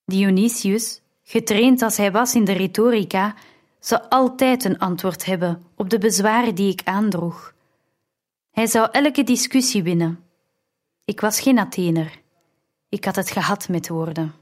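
A woman reads a first-person story aloud in the style of an audiobook. Her pace is slow and deliberate, and her pitch sits at a middle level. The reading stays measured and reflective throughout. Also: darkish tone. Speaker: audiobook narrator.

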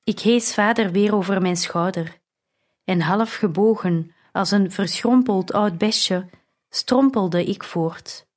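Slow, earnest woman narrating an audiobook. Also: mid-range voice. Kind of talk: first-person audiobook narration.

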